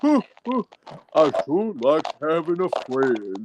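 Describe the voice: This is a put-on character voice. Its pitch sits in the middle.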